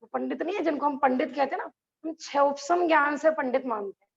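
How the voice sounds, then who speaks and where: A woman's voice: sits high, a little fast, gravelly, muffled recording. A woman teaching a religious class who keeps asking the listeners rhetorical questions and laughs between points. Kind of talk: lecture to a class.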